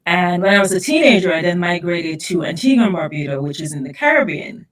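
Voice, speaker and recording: A woman's voice: lowish voice, fast talker. Reflective woman guest from Guyana. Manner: thoughtful, steady, personal anecdotes with frequent "you know" and "right?". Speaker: podcast guest. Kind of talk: reflective conversational storytelling.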